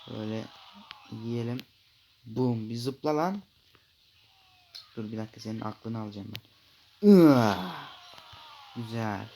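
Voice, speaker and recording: A man's voice: mid-range voice, low-quality recording. Young man, casual gameplay commentary, chatty, mid-range voice, faint background hiss. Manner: chatty, talks to his shark and fish, bursts into loud yelling. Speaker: gaming YouTuber.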